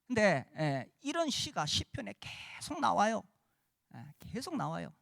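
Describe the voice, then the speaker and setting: A man's voice: high-pitched, very animated, unhurried, vocal fry, fairly bright tone, no room sound, studio quality. A man preaching a sermon as pastor, conversational with many fillers and tag questions, rising to emphatic cries.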